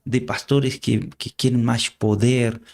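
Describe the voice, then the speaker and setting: A man from Argentina with an Argentine Spanish accent, a native Spanish speaker who talks earnestly and haltingly, repeating words as he preaches in an interview. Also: medium pitch, flat delivery, a little mellow. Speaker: guest preacher.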